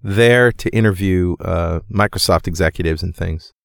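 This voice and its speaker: A man's voice: low-pitched, moderate pace, vocal fry, fairly bright tone, no echo, clean studio sound. A man hosting a podcast, upbeat and jokey in casual chat, introducing the guest. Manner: jokey, upbeat, fond of asides. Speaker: podcast host.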